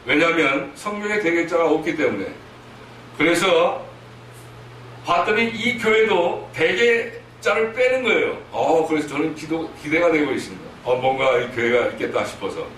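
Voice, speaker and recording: A man's voice: a little high, lively intonation, normal speed, fairly bright tone. A man preaching a sermon at a church prayer meeting, earnest and emphatic, with rhetorical questions to the congregation. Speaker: missionary preacher. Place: church hall. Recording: echoey hall from far off, faint noise.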